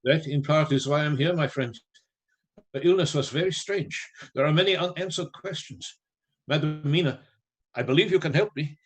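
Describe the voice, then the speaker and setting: Man playing a grave, higher-pitched vampire-hunting professor. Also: slight background noise, close to an everyday voice. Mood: gentle, solemn. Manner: measured, deliberate, formal rhetorical phrasing. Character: grave, probing elderly professor, a learned vampire hunter. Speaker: actor in a live radio play. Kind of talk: theatrical radio drama acting.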